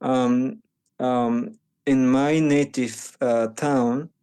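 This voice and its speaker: Guest: young Panamanian man, slow and mellow, halting speech full of restarts, second-language speaker. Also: mid-range voice, fairly even intonation, clear, resonant tone. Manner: halting, many restarts and fillers. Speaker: guest, medical missionary. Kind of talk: conversational interview.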